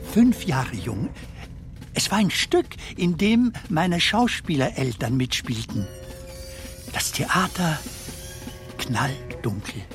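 An aged, wistful comedian in a radio play. He takes his time, savouring each short phrase, and his pitch moves expressively. Music plays beneath him. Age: older. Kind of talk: theatrical radio drama acting, storytelling. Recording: music under the voice.

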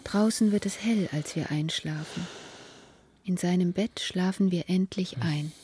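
A woman narrating in the inner voice of an anxious mother in a radio play, quiet and halting, sometimes whispering. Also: on the low side, a little hiss or hum, natural voice. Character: anxious mother of a troubled son.

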